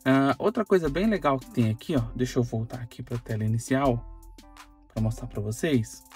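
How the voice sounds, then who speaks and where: A man's voice: mid-range voice, moderate pace, darkish tone, soft background music. A man with a Brazilian Portuguese accent giving a casual, chatty how-to demo from inside a parked car, filling his talk with "olha" and "tá?". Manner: chatty, explanatory, frequent "olha" and "tá?". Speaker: car channel host.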